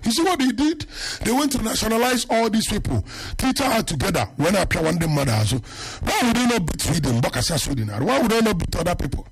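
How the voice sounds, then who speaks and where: A man's voice: high-pitched, very animated, a little fast, few pauses, husky, rough recording. A man with a Nigerian Igbo accent hosting radio sports talk, rambling casually with many fillers and Igbo phrases.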